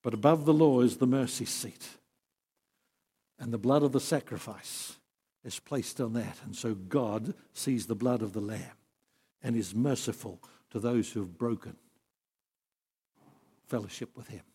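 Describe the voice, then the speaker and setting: A man's voice: mid-range voice, unhurried, pauses often, slightly rough. Man preaching in a reverberant hall. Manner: earnest, rising to emphatic then dropping soft. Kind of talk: sermon.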